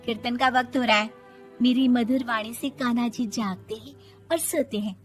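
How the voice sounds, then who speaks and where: A woman voicing a brash, sharp-tongued young daughter-in-law in an animated story, talking back with mocking, drawn-out retorts. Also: fairly high pitch, faint music behind, close to an everyday voice. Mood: sassy.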